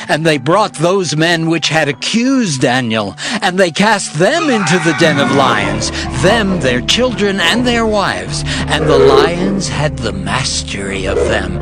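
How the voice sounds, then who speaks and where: A man's voice: on the high side, a bit bright. A man narrating scripture dramatically, in a solemn storytelling manner. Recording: clear music behind the voice.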